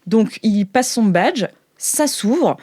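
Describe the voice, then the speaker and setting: A woman's voice: fairly high pitch, expressive, takes it slowly, dark tone. A woman narrating an improvised tabletop game informally as game master.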